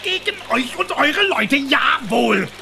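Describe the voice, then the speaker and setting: A woman's voice: high-pitched, sing-song, slow, creaky, noisy background, full character voice. A woman voicing a militant, hectoring animal agitator who poses as a veteran in a cartoon radio play. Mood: agitating. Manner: hectoring, scheming, clipped commands.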